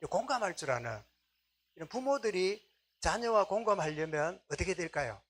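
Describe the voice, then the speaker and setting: A man's voice: high voice, sing-song, moderate pace, a bit bright. A middle-aged man, preaching a conversational sermon as a pastor.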